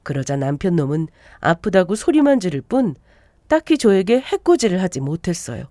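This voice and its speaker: A woman in her forties narrating a scripted first-person story with lively, expressive storytelling. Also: on the low side, normal speed, dry recording, studio quality. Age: 40s.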